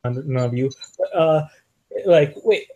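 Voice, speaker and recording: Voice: mid-range voice, measured pace, mellow, lo-fi sound. A player at a tabletop game who talks casually and hesitantly, with lots of stop-start phrases.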